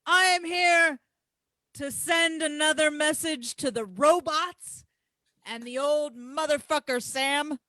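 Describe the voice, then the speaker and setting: A woman's voice: high-pitched, takes it slowly, bright, forceful tone, no echo, heavily acted. A woman playing a brash, boastful male pro wrestler, reading crude, grandiose trash-talk promos with taunting, emphatic delivery. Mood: taunting, cocky.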